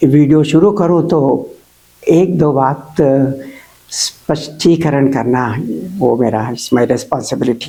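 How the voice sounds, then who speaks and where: A man with a Telangana accent speaks at a fairly high pitch in a dark, mellow tone. His loudness stays very even, broken by long, frequent pauses. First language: Telugu (speaking Hindi). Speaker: pension explainer YouTuber. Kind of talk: informational talk. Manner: code-switching Hindi-English, hesitant.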